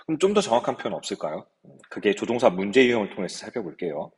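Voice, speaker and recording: A man's voice: fairly low pitch, sing-song, fast talker, breathy edge, big-room sound. A man teaching an English grammar lecture, explaining step by step and asking his students rhetorical questions. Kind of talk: recorded lecture.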